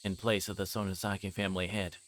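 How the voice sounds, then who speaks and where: A man's voice: deep voice, flat delivery, quick pace, a little hiss or hum. A man reading a visual novel aloud on a livestream, narrating in first person and occasionally stumbling over words. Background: game music.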